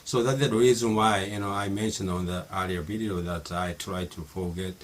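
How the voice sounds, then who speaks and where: A middle-aged Japanese man speaking English as a second language in a casual monologue. His speech is halting, full of fillers and restarts. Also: deep voice, fairly even intonation, a little hiss or hum. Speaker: vlogger practicing English.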